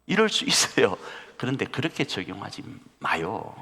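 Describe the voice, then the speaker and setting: A male pastor preaching a sermon, animated and emphatic, putting questions to the congregation. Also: fairly low pitch, moderate pace, breathy edge. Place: church sanctuary. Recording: long reverb of a church hall.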